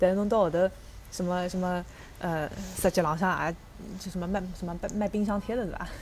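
Her speech moves at a fairly quick pace, broken by long, frequent pauses. This woman has a medium pitch. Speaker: podcast host. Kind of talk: casual chat.

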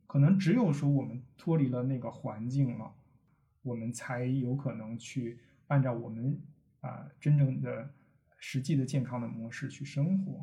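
The voice is dark and mellow, somewhat breathy, with ordinary pitch variation and a fairly slow pace. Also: man, medium pitch for a man. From Beijing, raised abroad from age 12. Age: 30s. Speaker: early retiree, former corporate manager. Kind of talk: interview conversation.

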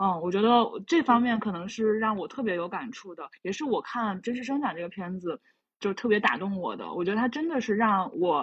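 Lively intonation runs through the speech. There is a somewhat breathy quality to the voice. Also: woman, medium pitch for a woman, fairly quick pace. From Shandong, China (county town). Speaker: media entrepreneur and variety show producer. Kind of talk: casual chat.

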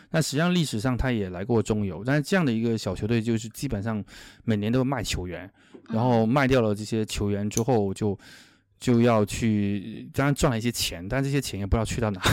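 This is a man with a normal speaking voice. The recording is very clean and the background silent. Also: medium pitch for a man, ordinary pitch variation, fairly quick pace. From Guangdong, Chaoshan region. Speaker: podcast host and writing platform founder. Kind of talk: casual chat.

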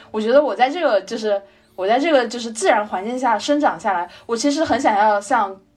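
Her fairly high-pitched voice moves at a fairly quick pace as this woman talks. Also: lively intonation. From Jiangsu, China. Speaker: podcast guest. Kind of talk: casual conversational interview. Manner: halting, heavy repetition of fillers.

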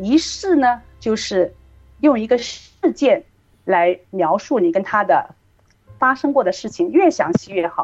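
The woman's high voice moves in very wide pitch swings at a very slow pace. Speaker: immigrant entrepreneur. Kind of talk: interview.

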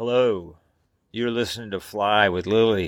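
Intonation stays fairly even as a man talks at a fairly slow pace. His pitch is fairly low. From Virginia, US. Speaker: retiree. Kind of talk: short prepared monologue.

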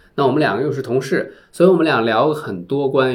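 A man with a normal speaking voice talks at a fairly quick pace and medium pitch with ordinary pitch variation. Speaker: Olympic culture promoter. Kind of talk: interview.

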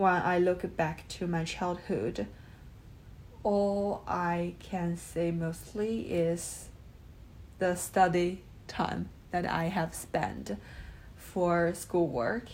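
At a very slow pace and with long, frequent pauses, the speaker talks with a Chinese accent and ordinary pitch variation. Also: woman, fairly low pitch for a woman. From eastern China, Hefei, Anhui. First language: Mandarin Chinese. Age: 20s. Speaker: podcast co-host, PhD student. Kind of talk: casual chat.

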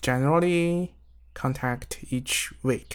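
A man with a Chinese accent and ordinary pitch variation, on a very clean recording with a silent background. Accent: Mandarin Chinese accent in English. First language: Mandarin Chinese. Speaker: tech app reviewer. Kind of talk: practice conversation with AI chatbot; casual app demo tutorial. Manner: halting.

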